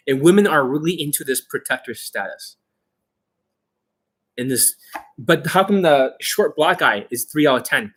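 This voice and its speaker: A man giving informal coaching to online viewers as their host, brash and boastful, with emphatic, sweary delivery and a slightly rough, husky voice. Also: fairly high pitch, fairly bright tone. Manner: acts out mock exchanges, emphatic.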